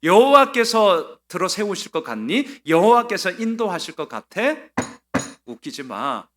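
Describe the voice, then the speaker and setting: A man voicing an arrogant ancient king who taunts and mocks a subject king in scornful, loud outbursts. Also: sits high, big pitch swings, unhurried, voice pushed up, heavily acted. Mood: mocking.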